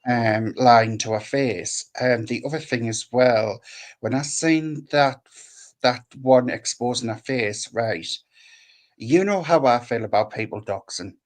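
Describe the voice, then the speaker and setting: Guest joining a live stream, rambling, lots of ums, mid pitch. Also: a little slow. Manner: rambling, hesitant, many ums. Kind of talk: casual live stream chat.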